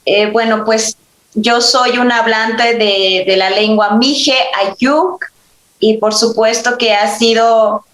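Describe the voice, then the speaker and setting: A Mexican-accented woman whose first language is Mixe answers as a guest in an unhurried way, pausing often. Her voice sits fairly high and bounces around a roomy, echoey space. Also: steady tone, a bit bright. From Oaxaca, Mexico. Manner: unhurried, with frequent pauses and fillers. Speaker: guest singer. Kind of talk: casual interview answer. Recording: roomy echo.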